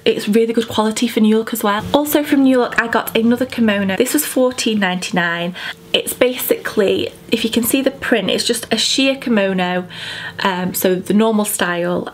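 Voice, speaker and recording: Bunged-up chatty young woman. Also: medium pitch. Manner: chatty, gushing, many fillers like "um" and "kind of". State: congested with a cold, sore throat. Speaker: fashion vlogger. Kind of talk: casual haul chat to camera. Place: bedroom, indoors, small.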